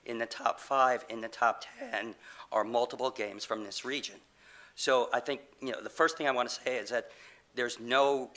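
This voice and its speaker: A man's voice: medium pitch, sharp tone. A middle-aged man getting over a cold, giving a conference presentation with many fillers and restarts. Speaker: conference speaker, game company CEO.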